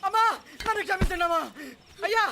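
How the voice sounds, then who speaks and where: A man's voice: very high voice, very animated, brisk, noisy background. An actor playing a panicked male servant who wails and sobs his words, in a film drama. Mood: begging. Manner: wailing, sobbing cries. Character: panicked male servant driver, wailing and pleading. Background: film music.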